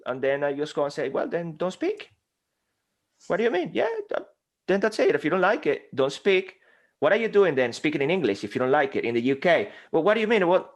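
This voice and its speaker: A man from Venezuela with a Venezuelan Spanish accent, a Spanish native speaker talking as a guest speaking coach in an interview, animated and passionate, acting out little dialogues. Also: a little high, brisk. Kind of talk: energetic interview conversation. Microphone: desk microphone.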